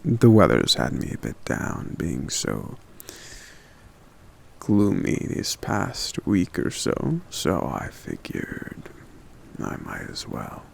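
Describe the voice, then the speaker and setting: A man playing a gentle, contented forest giant in an ASMR roleplay, musing softly and hesitantly with little hums in a gravelly voice. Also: huge pitch swings, slow, slight background noise, exaggerated voice. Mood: slightly wistful. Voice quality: very deep, gravelly. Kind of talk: ASMR roleplay, soft intimate character monologue.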